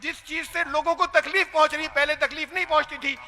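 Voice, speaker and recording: A man's voice: very high voice, fairly even intonation, fast talker, sharp tone, faint music behind. A man giving a public religious lecture, insistent and argumentative, hammering rhetorical questions. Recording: lecture hall with long reverb.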